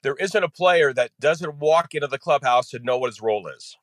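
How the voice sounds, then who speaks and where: A male play-by-play announcer speaking at a medium pitch, working through his points in a steady, measured flow of detail. The recording is dry and close, with no room sound around him. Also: no echo. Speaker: baseball radio play-by-play announcer, guest. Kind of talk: podcast interview guest, analysis.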